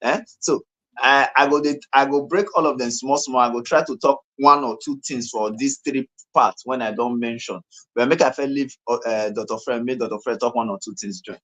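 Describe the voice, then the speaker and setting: A man with a Nigerian accent explains medical matters informally as a doctor. His pitch is average, and he speaks haltingly, repeating himself and adding short questioning tags. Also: fairly even intonation, a bit bright, rough recording. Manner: halting, repetitive, tags phrases with "eh".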